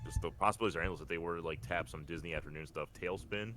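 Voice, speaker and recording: A man's voice: sits low, rapid-fire, pushed and bright, slight background noise. A man co-hosting a podcast in casual fan chat, rambling and enthusiastic. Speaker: podcast co-host. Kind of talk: casual fan chat about games and cartoons.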